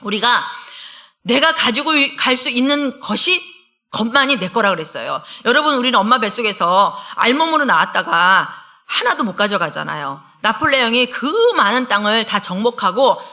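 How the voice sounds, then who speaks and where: A woman's voice: fairly high pitch, very animated, moderate pace, sharp tone. A middle-aged woman pastor giving an earnest, conversational sermon in a church. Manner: earnest, conversational preaching with acted quotes. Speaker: associate pastor. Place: church sanctuary.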